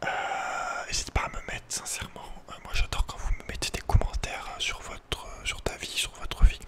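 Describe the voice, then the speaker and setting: Male ASMR host, fully whispered, casual and halting delivery, personal advice chat. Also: sharp tone. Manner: hesitant, halting, informal. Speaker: ASMR video creator and host.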